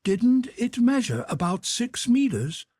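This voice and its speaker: Audiobook role: precise, polite, inquisitive manservant voiced by a man, high-pitched and animated. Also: unhurried, dry recording, exaggerated voice. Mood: politely eager. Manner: polite, inquisitive, matter-of-fact. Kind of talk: audiobook character dialogue.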